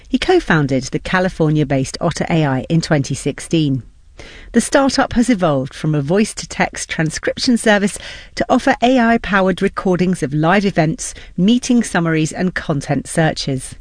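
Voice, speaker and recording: Radio host, measured probing questions, dry close studio mic. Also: medium pitch, no echo. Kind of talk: scripted introduction and interview questions.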